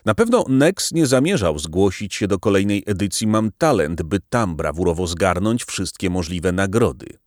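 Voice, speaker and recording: A man reading a novel aloud as audiobook narrator, dramatic and expressive. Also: sits low, moderate pace, few pauses, dry recording, clean studio sound. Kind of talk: scripted narration.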